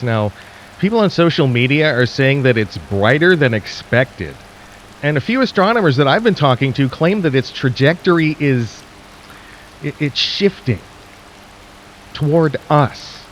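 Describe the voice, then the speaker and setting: An actor playing a skeptical, uneasy radio host in a radio drama, talking wryly and conspiratorially with dramatic pauses. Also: male voice, mid-range voice, very animated, a little hiss or hum, natural voice. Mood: wary, suspicious. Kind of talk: radio drama broadcast monologue.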